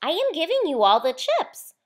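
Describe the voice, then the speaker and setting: A woman's voice: very high voice, wildly swooping pitch, normal speed, voice pushed up, heavily acted. A woman voicing a kind, easygoing young boy in a children's storybook, speaking in a friendly, earnest manner.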